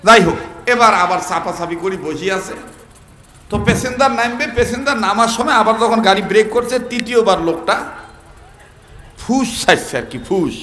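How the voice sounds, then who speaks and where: A man preaching a humorous sermon to a gathering, speaking in Rangpur dialect and shouting rhetorical questions to the crowd. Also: sits high, animated, brisk, roomy sound, big-room sound, slight background noise. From Bangladesh.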